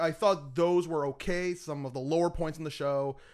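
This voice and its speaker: A man's plain, everyday voice at a fairly high pitch and fairly quick pace, with ordinary pitch variation, on a very clean recording with a silent background. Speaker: wrestling fan. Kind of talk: casual chat.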